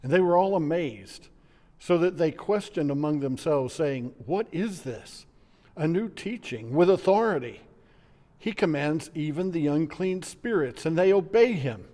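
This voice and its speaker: A long church reverb surrounds a middle-aged man reading the gospel as a pastor. His voice is a bit higher than average. He reads expressively, in the style of a service. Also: expressive, unhurried, mellow. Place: church sanctuary.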